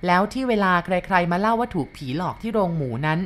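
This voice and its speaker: A woman reading a first-person ghost story aloud in a plain, unhurried way. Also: lowish voice.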